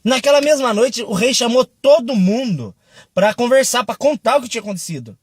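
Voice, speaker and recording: Brazilian guy, young, casual preachy storytelling, husky highish voice, jokey. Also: lively intonation, brisk, dry recording, studio quality. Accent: Brazilian Portuguese. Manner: chatty and joking, acts out quotes. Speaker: Christian video preacher. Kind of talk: casual devotional talk with storytelling.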